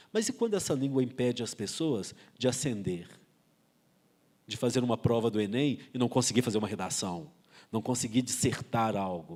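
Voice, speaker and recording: With a Belo Horizonte accent, a man speaks on a very clean recording with a silent background. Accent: Belo Horizonte (mineiro) Brazilian Portuguese. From Brazil, Belo Horizonte (Minas Gerais). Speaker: writer and professor. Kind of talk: panel talk at literary festival.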